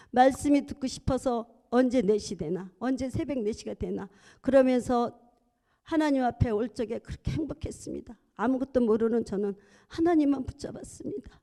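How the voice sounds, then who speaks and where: A woman's voice: fairly high pitch, dark tone. A middle-aged woman, a church deaconess, giving a heartfelt testimony in a church sanctuary, earnest and at times fervent.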